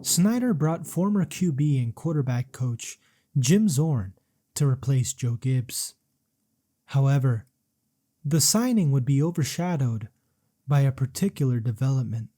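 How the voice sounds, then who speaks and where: A man reading a scripted sports documentary narration in a measured, serious way. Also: medium pitch, expressive, mellow.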